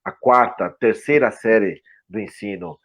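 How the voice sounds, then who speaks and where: A middle-aged man with a Brazilian Portuguese accent, interviewed as a guest, explaining in an animated way and acting out example phrases. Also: fairly low pitch, measured pace. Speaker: guest, language school CEO. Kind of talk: conversational interview.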